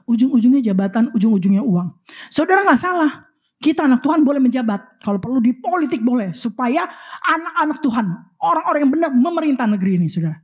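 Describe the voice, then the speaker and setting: Brief: woman preacher, fairly high voice, sermon in church, chatty and direct with the congregation. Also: dark tone, breathy edge.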